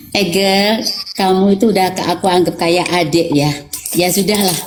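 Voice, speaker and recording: A woman talking as a guest on a live stream, upset and rambling, with halting restarts. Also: fairly low pitch, fairly even intonation, a little hiss or hum. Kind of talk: emotional live stream talk.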